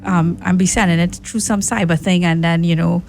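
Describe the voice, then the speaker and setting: A woman's voice: lowish voice, steady tone, normal speed, gravelly, darkish tone, slight background noise. A woman with a Trinidadian accent, a guest on a radio show, telling a story in a chatty way. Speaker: guest, proud parent. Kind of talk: casual radio chat. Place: radio studio.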